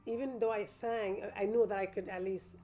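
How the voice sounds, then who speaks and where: A woman with a low-toned voice, a gospel singer being interviewed, speaking thoughtfully with many pauses and restarts. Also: fairly even intonation, warm tone, soft background music. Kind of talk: casual interview talk. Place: day spa.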